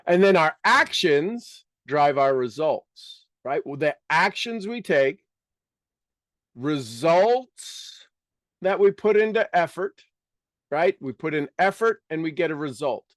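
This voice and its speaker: Man, fairly high voice, dry close sound, running a live self-improvement seminar; punchy and repetitive, with offhand jokes. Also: lively intonation, slow pace, a bit bright, no room sound. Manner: emphatic, repeats key words, casual asides. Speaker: motivational workshop speaker. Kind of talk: live seminar teaching to an audience.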